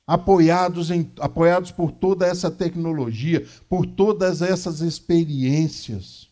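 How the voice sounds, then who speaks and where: A man's voice: on the high side, darkish tone. A man in his fifties with a Brazilian accent gives a religious lecture, didactic and conversational, repeating key phrases for emphasis. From Minas Gerais, Brazil. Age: 50s. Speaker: lecturer at a Spiritist centre. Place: small meeting room, indoors.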